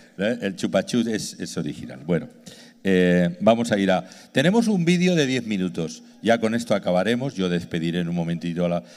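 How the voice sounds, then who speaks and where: A voice at a moderate pace with very wide pitch swings. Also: man, fairly low pitch for a man. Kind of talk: sermon. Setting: church with congregation. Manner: halting, full of fillers and restarts, conversational teaching tone.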